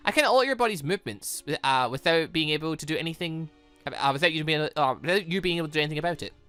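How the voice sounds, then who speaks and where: Man voicing a smug, bright-voiced lecturing villain. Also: a little high, animated, smooth, no room sound, faint music behind. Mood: smug, taunting. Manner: pompous, lecturing, deliberate. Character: smug, theatrical, condescending male villain in a lab coat.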